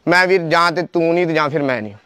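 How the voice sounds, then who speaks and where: A man's voice: a little high, racing, crowd noise. A man in a heated face-to-face argument with a relative, insisting again and again that the other man listen to him.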